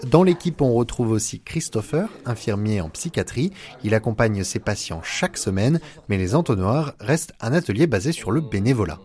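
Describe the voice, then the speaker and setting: A man's voice: mid-range voice, expressive, normal speed, hardly any pauses, a little mellow. A male reporter giving scripted narration for a report.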